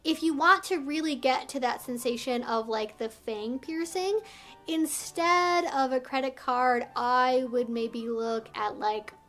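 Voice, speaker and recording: A woman's voice: sits high, fairly bright tone. A woman hosting an instructional video, explaining things to viewers in an articulate, emphatic way. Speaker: video host and educator. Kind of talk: instructional talk to viewers, semi-scripted.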